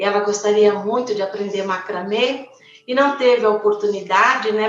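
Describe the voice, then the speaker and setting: At a moderate pace, a woman with a fairly high pitch speaks amid audible room echo and noticeable background noise. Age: 60s. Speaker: student testimonial. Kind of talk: testimony.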